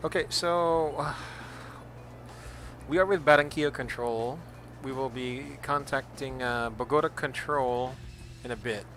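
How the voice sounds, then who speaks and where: A man's voice: medium pitch, a little slow, a little hiss or hum. A man chatting casually on a flight simulator stream and making pilot radio calls. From Philippines. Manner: switches between Filipino and English, relaxed chatty, reads radio calls.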